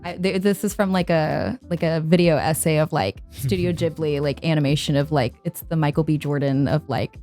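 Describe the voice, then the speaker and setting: A woman's voice: low-pitched, normal speed, hardly any pauses, warm tone, soft background music. A woman chatting casually on a podcast, hesitant and thinking aloud as she talks. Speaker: podcast guest, anime voice actor.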